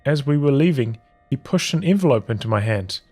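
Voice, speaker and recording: A man reading journal entries from a visual novel aloud as storytelling, in measured, halting phrases with pauses. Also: mid-range voice, lively intonation, a little mellow.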